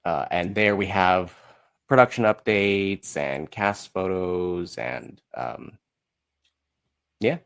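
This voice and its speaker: A man's voice: sits low, slow, vocal fry, a bit bright. A man speaking as an interview guest in casual conversation, informal and hesitant as he searches for his words. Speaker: podcast guest, musical creator.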